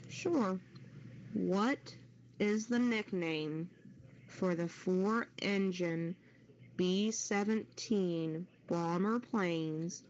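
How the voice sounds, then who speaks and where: Hosting a live quiz, this woman reads trivia questions and confirms answers in an extremely slow, lowish, darkish voice. It comes through as muffled, noisy lo-fi voice-chat audio.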